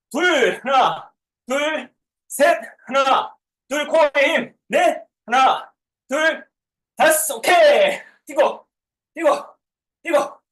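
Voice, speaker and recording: A woman's voice: sits high, fairly bright tone. A woman working as a gym coach, leading a group workout with counted reps and short commands. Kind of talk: live workout class with counted reps and cues. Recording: echoey room, far from the mic.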